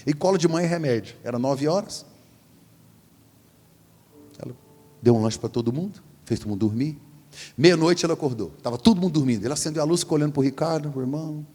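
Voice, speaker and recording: A man in his forties preaching a storytelling sermon as pastor, animated and acting out the voices in his story. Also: a little high, fast talker, long pauses. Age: 40s. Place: large church hall. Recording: long hall reverb.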